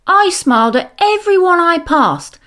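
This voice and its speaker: A woman voicing eager, proud young schoolchildren in a storybook, excitable and sing-song. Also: very high-pitched, a little slow, voice pushed up, heavily acted. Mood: proud, excited.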